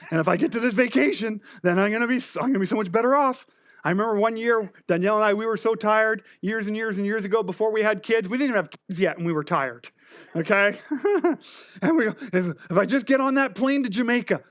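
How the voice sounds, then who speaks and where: A middle-aged man with a slight lisp, preaching a sermon as pastor, animated and joking, swinging from loud to whispered. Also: extremely high pitch. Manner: joking, self-deprecating.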